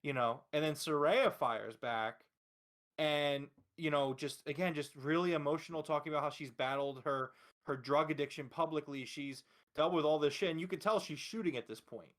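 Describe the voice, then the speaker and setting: At a moderate pace, a man whose voice is on the high side and fairly bright hosts a podcast. He weighs in on wrestling casually and emphatically, with strong opinions and lots of swearing.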